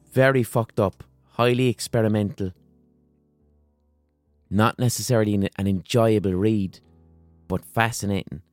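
A hoarse Irish man talks through his solo podcast with a low voice, full of rhetorical questions and the odd swear word. His delivery sounds passionate, recorded close and dry with a faint bit of music underneath. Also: a little mellow, dry recording. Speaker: podcast host.

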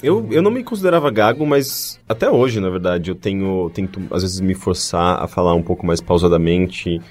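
A Brazilian man chatting casually as a podcast co-host, halting and stumbling over his words as he repeats them. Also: deep voice, animated, a little mellow. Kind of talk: casual conversation. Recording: music behind.

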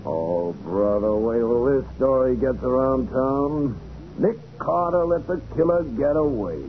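An actor playing a smug small-time racketeer who taunts and threatens in an old radio crime drama. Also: male voice, medium pitch, animated, a little slow, lightly acted. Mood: gloating. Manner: taunting, smooth-talking threats. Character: menacing small-time racketeer, smug strong-arm crook. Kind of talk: 1940s radio crime acting. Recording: muffled, noisy 1940s radio recording.

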